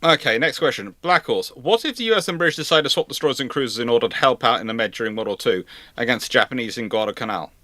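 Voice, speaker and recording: A man's voice: mid-range voice, animated, fast, hardly any pauses, bright, forceful tone, dry recording. A man hosting a live history question-and-answer session, explaining things emphatically and often breaking off to rephrase himself. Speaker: host answering viewer questions.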